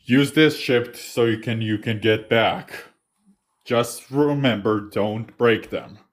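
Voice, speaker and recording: A man's voice: mid-range voice, slow, slight background noise, natural voice. A man voicing a crude, sarcastic, grumbling adult in a fan-made cartoon parody dub.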